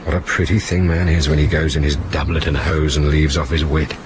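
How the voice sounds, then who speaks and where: An actor playing a lordly prince in a stage comedy, mocking and commanding. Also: male voice, very deep voice, a little fast, noisy background. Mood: stern. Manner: lively, mocking, laughing asides.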